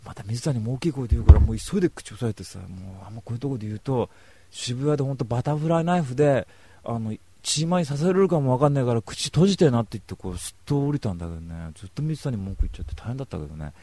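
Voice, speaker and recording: A man's voice: medium pitch, racing, slightly rough. A young man hosting a live radio talk show, telling stories in a casual, joking way. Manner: animated, joking storyteller.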